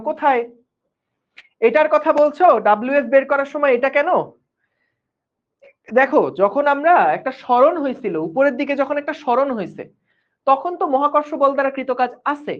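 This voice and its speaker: A man tutors physics in a live online class. He talks in a loose, chatty way and keeps checking that his students are following. The stream audio sounds dull and lo-fi. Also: very high voice. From Bangladesh.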